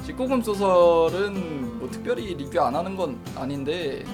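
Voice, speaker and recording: A man's voice: on the high side, lively intonation, moderate pace, over loud music. Man rambling on a live stream. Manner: rambling, self-correcting, reasoning aloud; reads and answers viewer chat. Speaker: web novel review streamer.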